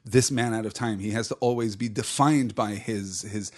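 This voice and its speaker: A man's voice: on the low side, fairly even intonation, moderate pace, a little mellow. A man co-hosting a casual discussion podcast, speaking in a thoughtful, analytical and articulate way. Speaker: podcast co-host. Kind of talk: casual film and comics discussion.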